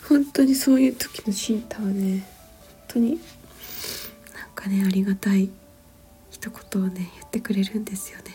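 A woman in her thirties talks almost entirely in a soft whisper, unhurried and gentle as she rambles along. Her voice has a mellow, dark tone. A quiet bed of music sits faintly behind her. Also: mid-range voice. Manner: gentle, rambling, with frequent fillers and soft laughs. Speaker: mother. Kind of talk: whispered casual storytelling.

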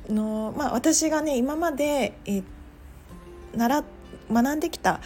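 A woman's voice: on the high side, darkish tone. Chatty Japanese-speaking woman host. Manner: chatty, many fillers, laughs at herself. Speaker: pharmacist and podcast host. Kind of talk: casual monologue.

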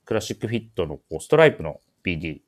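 A man hosting a menswear shop radio show, talking casually and politely about clothes, often pausing to think aloud. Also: low-pitched, sing-song. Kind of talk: casual radio-style talk introducing clothes.

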